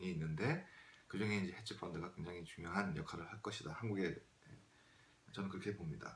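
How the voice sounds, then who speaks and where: A man speaks at a fairly quick pace with a very deep, low pitch. His voice is somewhat breathy. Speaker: hedge fund manager. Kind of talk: lecture. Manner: fast; halting.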